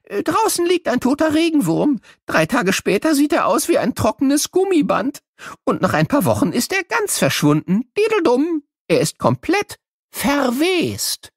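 An actor playing an excitable, playful elderly cartoon scientist who stumbles over words as he teaches children in an educational audio drama. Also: extremely high pitch, unhurried, no room sound, studio quality, heavily acted. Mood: playful explaining.

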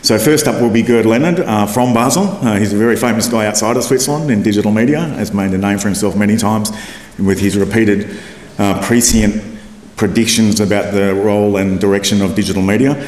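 A man's voice: lowish voice, fairly quick, hardly any pauses, a little mellow. Hesitant male host in an echoey hall. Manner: hesitant, many fillers. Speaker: event host. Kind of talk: introducing a speaker. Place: conference hall. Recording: echoey hall with faint noise.

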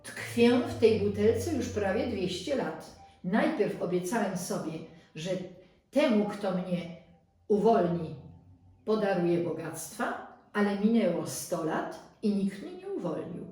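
Woman putting on a scary bottled spirit guy, slow and threatening, mellow tone, big echoey room, far off mic. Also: medium pitch, animated. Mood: vengeful. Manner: menacing then pleading. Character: huge vengeful male spirit trapped in a bottle.

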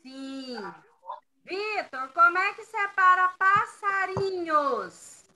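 A woman's voice: extremely high pitch, animated, very slow, sharp tone, poor audio. A woman with a Brazilian Portuguese accent teaching young children in an online class, stretching out syllables and patiently prompting pupils over a video call. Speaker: primary school teacher. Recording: video call with background noise.

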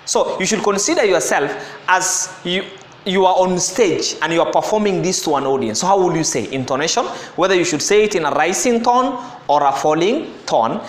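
A man with a fairly high voice, teaching an exam-prep lesson. He explains step by step, repeating words and correcting himself as he goes. The sound is echoey, as if from a bare room. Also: expressive, moderate pace.

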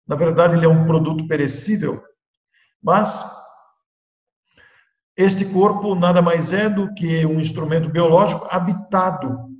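An older man with a Brazilian Portuguese accent gives a spiritist lecture over a webcam, speaking in measured, emphatic phrases with dramatic pauses. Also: a little high. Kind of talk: devotional lecture. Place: indoor room at home. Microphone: laptop webcam, video call framing. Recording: echoey room, long reverb, dull lo-fi sound.

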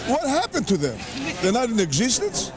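An older Greek-American man at an outdoor street rally, speaking with passion into a handheld mic in halting phrasing. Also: very high-pitched, huge pitch swings. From Greek-American, parents from Pontus. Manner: impassioned, halting non-native phrasing. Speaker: interviewee at a rally. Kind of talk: street interview. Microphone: handheld mic held close. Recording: outdoor rally with crowd noise behind.

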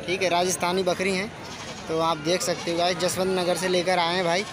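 A man, vlogging at an outdoor livestock market and quizzing sellers on their prices in a brisk, chatty way. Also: sits high, little pitch movement. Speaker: vlogger interviewing goat sellers. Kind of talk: casual on-the-spot questioning and commentary. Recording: loud market crowd behind.

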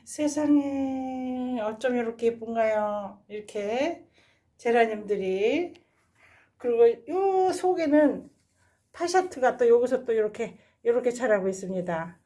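A woman's voice: on the high side, animated, a little slow, warm tone. A woman hosting a gardening vlog, chatting fondly about her plants with frequent sighing exclamations as she walks through her balcony garden. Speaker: gardening channel host. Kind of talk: casual walkthrough vlog.

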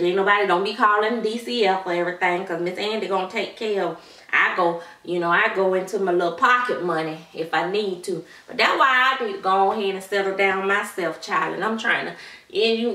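A woman plays a gossipy auntie watching the babies, rambling on and sprinkling child and honey into every line. Her voice is bright and forceful, caught from a distance in a roomy, echoing space. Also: medium pitch, natural voice. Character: gossipy middle-aged Southern auntie babysitter, sassy. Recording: roomy room, mic at a distance.

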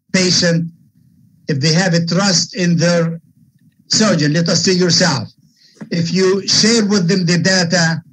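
An older man with an Arab American accent and a husky voice, answering webinar questions as a guest lecturer in an emphatic, opinionated manner. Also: high voice, fairly bright tone, low-quality recording. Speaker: guest lecturer, vascular surgeon.

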